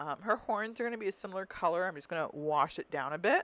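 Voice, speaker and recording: A woman mumbles her words. The recording is very clean, with a silent background. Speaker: art teacher. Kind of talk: tutorial. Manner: mumbling; casual with many fillers.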